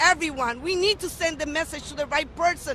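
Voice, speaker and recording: In a strong non-native accent, a woman with an extremely high pitch talks with ordinary pitch variation. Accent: very strong foreign. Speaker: restaurant owner. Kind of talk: protest speech. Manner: halting.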